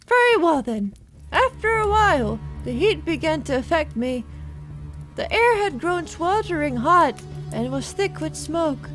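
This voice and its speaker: Woman reading as a prim high-voiced young gentlewoman. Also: big pitch swings, soft background music, exaggerated voice. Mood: prim, reproachful. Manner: formal, measured, storytelling. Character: prim, long-suffering young gentlewoman recounting her ordeal.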